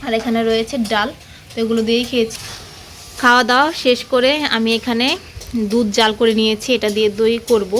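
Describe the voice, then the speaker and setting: A young woman chatting her way through a home vlog in a casual style, now and then hushing her voice to a near-whisper. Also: a little high, flat delivery, fairly quick. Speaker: vlogger. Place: family home. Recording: noisy home video with background noise.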